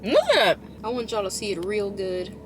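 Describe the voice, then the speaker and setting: A woman chatting casually as a food vlogger, chewing while she talks, rambling and expressive with emphatic delivery. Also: medium pitch, normal speed, slight background noise. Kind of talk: casual chatty eating vlog.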